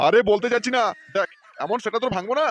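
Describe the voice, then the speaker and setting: A man's voice: sits high, rapid-fire, lightly acted. A man voicing a stingy, hot-tempered middle-aged man in a cartoon who blusters and threatens. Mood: blustering. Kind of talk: cartoon voice acting.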